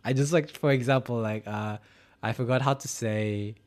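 A man's voice: medium pitch, fairly even intonation, a little mellow. A young man from Malaysia, a native Chinese speaker, chatting casually as a host, filling his talk with "like" and laughing easily. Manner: chatty, filler-heavy, quick to laugh. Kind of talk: casual conversation.

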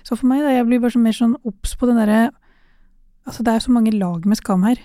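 A woman's voice: on the high side, dark tone, no room sound, clean studio sound. A woman hosting a podcast, reflecting thoughtfully with searching phrasing. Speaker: host. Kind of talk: empathetic interview conversation.

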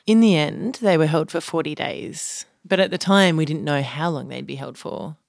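A woman reporter narrating a documentary podcast in a calm first-person storytelling manner. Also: low-pitched, moderate pace, creaky, no echo, studio quality. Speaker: reporter and co-host.

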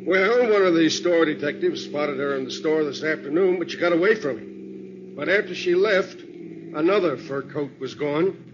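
An actor playing an earnest, matter-of-fact police sergeant with colloquial talk, in 1940s radio style. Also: male voice, fairly high pitch, moderate pace, gravelly. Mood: businesslike. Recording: noisy, muffled old radio recording.

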